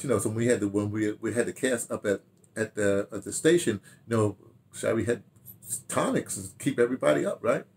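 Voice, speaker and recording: An older man with a lowish voice chats casually to the camera at home. He rambles through memories, wandering off on tangents and repeating phrases, sometimes talking half to himself. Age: older, 60s or 70s. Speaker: radio drama director and producer reminiscing. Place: furnished room at home, indoors.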